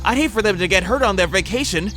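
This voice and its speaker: A man's voice: sits high, lively intonation, fast, bright, forceful tone, faint music behind. A man voicing a big, good-natured ape who rules his island, earnest and a bit mock-formal, in a fan audio drama.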